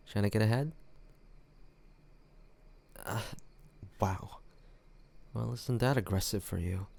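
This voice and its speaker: Young male academic rival, acted by a man: cocky teaser, slow-paced, gravelly delivery, audio roleplay. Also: fairly low pitch, darkish tone. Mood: smug, teasing. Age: young adult. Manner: mocking, teasing, playful.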